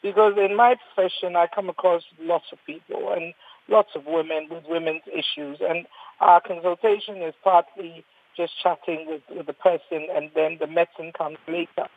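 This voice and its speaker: A doctor from Ghana in her sixties addresses a panel earnestly, her voice on the low side, steady in tone, and at normal speed. She often repeats words as she starts over, and the recording has a husky, dry, thin phone-line quality.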